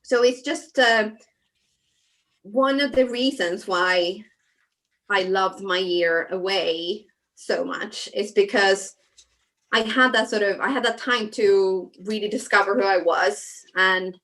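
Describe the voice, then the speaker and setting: A Swedish-born woman chats on a video call about her life while she crafts. Her voice is bright and clear, at a middling pitch. She rambles warmly, filling pauses and trailing off into soft asides. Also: low-quality recording. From Sweden. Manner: warm, chatty, many fillers and soft trailing asides. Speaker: guest designer. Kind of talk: casual chat while crafting.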